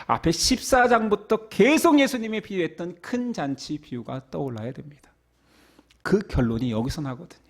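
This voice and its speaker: A man delivering a Sunday sermon as pastor, his voice sitting a little high and moving a lot. He slips into the parts of the story's figures in quoted voices. He often lets the ends of his phrases sink into a near-whisper. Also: normal speed. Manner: animated, acts out the parable's characters in quoted voices.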